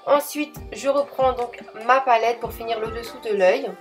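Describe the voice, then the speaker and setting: A woman's voice: a little high, fairly even intonation, moderate pace, music in the background. A young woman narrating her makeup tutorial as a chatty, enthusiastic voice-over. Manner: chatty, enthusiastic, addresses viewers as girls. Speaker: beauty vlogger.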